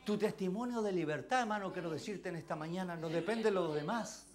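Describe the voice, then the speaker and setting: A male pastor with a Chilean accent preaching a sermon, swinging between shouts and hushed asides and calling out rhetorical questions to the congregation. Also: high voice, brisk, a loud crowd. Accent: Chilean Spanish. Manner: impassioned, swinging between shouts and near-whispers.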